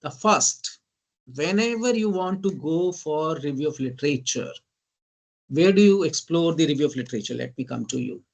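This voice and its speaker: A man with an Indian English accent, giving an online teaching lecture. He keeps asking "right?" and often says "ladies and gentlemen.". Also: on the high side, expressive, normal speed, creaky. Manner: lists terms in emphatic bursts. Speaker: guest lecturer.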